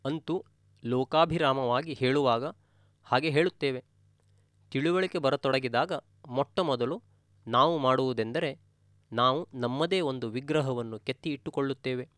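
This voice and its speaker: A man as a meditation teacher giving a spiritual discourse in a calm, measured, explanatory way. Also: mid-range voice, no room sound, clean studio sound.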